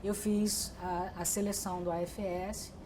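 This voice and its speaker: Middle-aged woman telling her story slowly, lots of restarts, faint hiss behind. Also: mid-range voice, flat delivery, mellow. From Brazil. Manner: reflective, with frequent restarts and fillers. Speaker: interviewee. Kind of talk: oral history interview.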